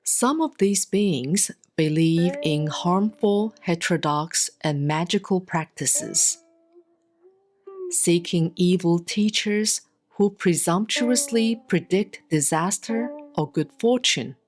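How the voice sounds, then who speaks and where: A Buddhist nun reads sutra aloud in a solemn, scripted way, using measured, deliberate phrases broken by frequent pauses. Her pitch sits fairly low, yet her intonation stays lively.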